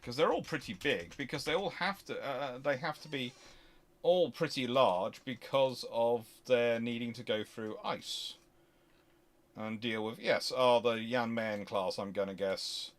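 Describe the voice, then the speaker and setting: A man's voice: mid-range voice, unhurried. Discursive man thinking aloud while answering questions. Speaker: host answering audience questions. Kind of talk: unscripted question-and-answer talk.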